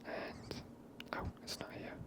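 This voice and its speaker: Whispering ASMR game player. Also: slow. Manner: hushed whispering. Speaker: game streamer.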